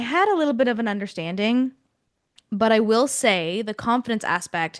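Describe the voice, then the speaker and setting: The background is quiet as a woman talks at a fairly quick pace. She has an unremarkable speaking voice. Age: 30s. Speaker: guest, new mother. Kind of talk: podcast interview.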